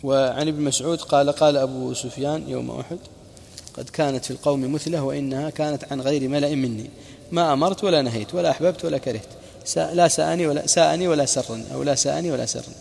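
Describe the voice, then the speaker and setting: Gravelly-voiced man teaching religious history. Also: a little high, fast, darkish tone, in a large hall, slight background noise. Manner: narrates reports and quoted speech with brief asides. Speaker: preacher.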